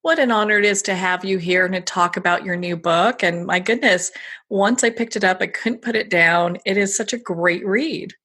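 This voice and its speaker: A woman hosting an interview show, cheerful and quick to laugh. Her voice sits at an ordinary middle pitch. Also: a bit bright. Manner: upbeat, laughs easily. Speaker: talk show host.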